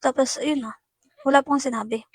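A woman speaks straight to her viewers about an ordeal in an emotional first-person account, her voice sitting a little high. She talks in uneven bursts and keeps calling them guys. The sound is dry and close, with no room around it. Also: fairly even intonation, brisk, breathy edge, no echo. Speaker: netizen recounting an incident.

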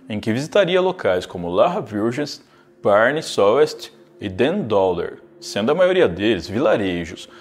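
A man, narrating a true crime case in a scripted, storytelling way as a video host. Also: on the low side. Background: faint background music.

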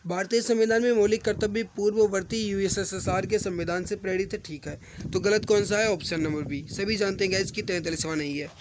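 A man teaching an exam-prep mock test online, reading out questions and answers briskly and addressing viewers as friends, often repeating himself. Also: high voice, fairly even intonation. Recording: rattling wind noise in the background. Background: wind noise from a storm outside.

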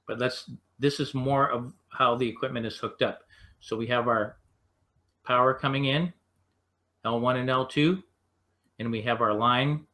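An American man gives an unscripted technical lesson in a mid-pitched voice. He explains things piece by piece, in short halting phrases, as an instructor walking learners through material. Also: sharp tone. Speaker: HVAC instructor. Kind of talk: unscripted slide lecture.

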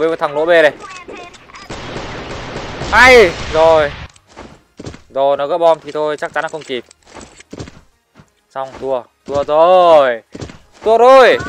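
A man giving live commentary over his own shooter match, excitably calling out enemies and urging his teammates on. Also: medium pitch. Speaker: gaming channel host.

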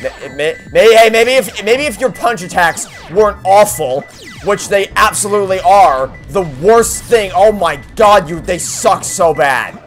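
A man's voice: sits high, expressive, unhurried, a bit bright, soft background music. A young man giving sarcastic, exasperated commentary while playing a video game, swearing and complaining often. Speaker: let's play host. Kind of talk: profane frustrated gameplay commentary.

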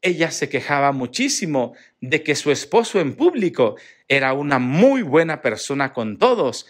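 A Catholic priest from Mexico who reads the Mass readings and preaches a homily, telling the story expressively and acting out the voices of the people in it. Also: male voice, on the high side, very animated, moderate pace.

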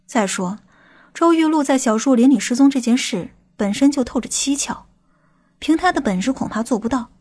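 A woman's voice: high voice, a little mellow, breathy edge. A woman playing a stern, impatient police detective in an audiobook drama. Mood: argumentative.

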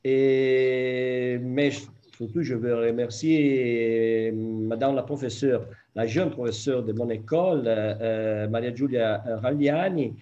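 A middle-aged man with a foreign, Italian accent in French, native in Italian, speaking haltingly as a school principal giving thanks on a video call. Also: mid-range voice, mellow. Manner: halting, hesitant French with self-corrections. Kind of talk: thank-you speech at an online meeting. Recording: dull video-call audio.

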